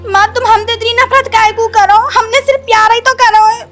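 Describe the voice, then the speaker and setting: A woman's voice: very high voice, steady tone, brisk, fairly bright tone, soft background music. A woman playing a meek, uneducated young village bride who pleads tearfully. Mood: pleading. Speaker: daughter-in-law. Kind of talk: rural Hindi film drama.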